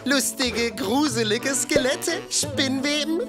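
Excitable, high-pitched cartoon boy explorer. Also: slow pace. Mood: wondering, cheerful. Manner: exclamatory, wondering, addresses young viewers. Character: cheerful, curious cartoon boy explorer, eager and wide-eyed. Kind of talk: animated children's show dialogue. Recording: music behind the voice.

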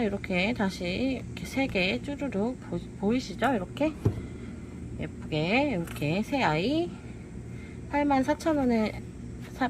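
A woman's voice: a little high, background noise. Cheerful woman showing off flower pots. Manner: cheerful, coaxing, keeps asking "pretty, right?". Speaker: pot shop seller. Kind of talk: product showcase talk. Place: indoor pot shop.

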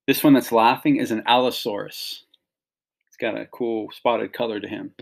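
A middle-aged man with a medium-pitched voice and noticeable vocal fry. He speaks like a teacher leading a read-along for children. His phrasing is simple and explanatory as he points things out. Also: steady tone, normal speed, slight background noise. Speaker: teacher reading a picture book aloud to children.

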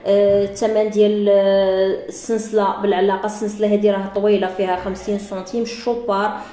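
A woman with a Moroccan Arabic accent, chatting through a live sales pitch for jewelry to her female viewers. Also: flat delivery, fast, dark tone, echoey room. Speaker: jewelry seller.

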